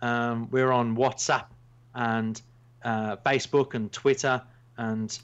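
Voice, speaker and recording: A male podcast host with a Black Country accent and an average-pitched voice. He chats casually and rambles along with jokey self-mockery. The sound is a little lo-fi and muffled. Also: little pitch movement, slow pace, clean tone. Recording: slightly dull, lo-fi sound.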